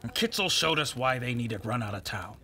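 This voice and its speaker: Man acting a gravelly, folksy tavern villager. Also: mid-range voice, lively intonation, moderate pace, sharp tone. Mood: hearty, cocksure. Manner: folksy, blunt. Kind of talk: audio drama acting.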